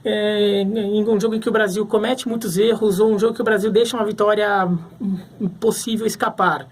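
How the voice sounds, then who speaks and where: A man's voice: high voice, little pitch movement, a little fast, breathy edge. A man from Brazil giving casual sports commentary to camera, thinking aloud with frequent restarts.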